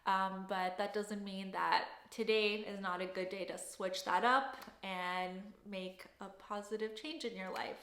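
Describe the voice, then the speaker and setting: A woman's voice: medium pitch, steady tone, measured pace, few pauses, a bit bright, roomy sound. A young woman, hosting a casual Q&A vlog in an upbeat, effusive way. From Canada. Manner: upbeat, effusive, gushing thanks. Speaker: vlogger and job-search coach.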